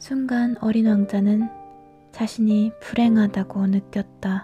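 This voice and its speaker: Over music in the background, a woman with a fairly high pitch talks very slowly in a monotone, flat intonation. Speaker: audiobook reader. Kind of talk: narration of a classic fairy tale. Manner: soft, gentle, emotional.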